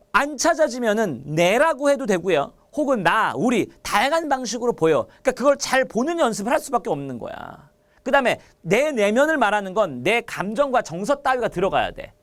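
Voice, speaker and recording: A man giving an online exam-prep lecture, chatty and animated, firing rhetorical questions at his students and reaching for everyday analogies. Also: very high-pitched, normal speed. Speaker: Korean literature lecturer.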